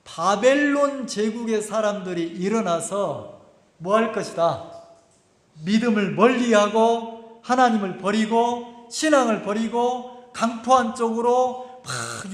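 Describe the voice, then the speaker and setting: High-pitched pastor preaching in an echoey hall. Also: male voice. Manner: asks the congregation many questions, stretches words out for emphasis. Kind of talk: sermon. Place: church sanctuary.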